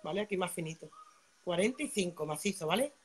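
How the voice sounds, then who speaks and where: A woman's voice: lowish voice, animated, fast, a little hiss or hum. A woman from Spain selling jewelry on a live stream, chatting to viewers, greeting them by name and checking in with a constant "vale". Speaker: online jewelry seller. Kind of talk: live-stream sales pitch.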